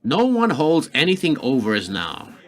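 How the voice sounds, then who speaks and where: An actor playing a hawkish, calculating senior White House aide in a radio play, speaking with deliberate authority. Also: male voice, on the high side, huge pitch swings. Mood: grim, resolute.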